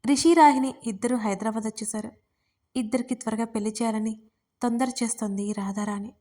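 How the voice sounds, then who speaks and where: A woman storyteller narrating a romance serial in a calm, steady audiobook reading. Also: a little high, fairly quick.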